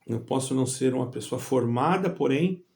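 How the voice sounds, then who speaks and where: On the evangelical channel he hosts, a middle-aged man with roots in both Brazil and Portugal speaks to fellow believers in a halting manner, full of pauses and restarts. His voice has a medium pitch and a darkish tone.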